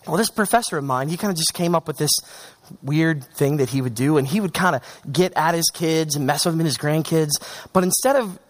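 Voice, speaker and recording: A young man preaching a sermon in an animated, conversational way, with chatty asides to the congregation. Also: on the high side, a little fast.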